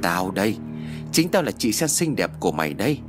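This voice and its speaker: A man's voice: low voice, sing-song, brisk, over music. A man voicing a scheming, vengeful older village woman who taunts and gloats in a spoken story. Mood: taunting.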